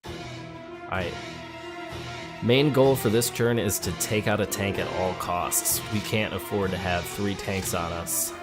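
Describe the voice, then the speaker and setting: A man's voice: sits low, fairly even intonation, a little slow. A man hosting a let's play, giving casual gameplay commentary and thinking aloud as he plans each step. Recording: loud game music and vehicle sounds behind. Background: video game music and engine noise.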